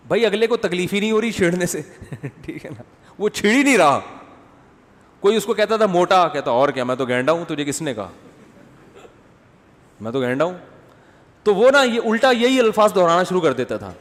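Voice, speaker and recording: A man giving a humorous religious talk, telling stories with comic impressions and answering questions read out from the audience. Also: high voice. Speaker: Islamic scholar answering questions. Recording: long hall reverb.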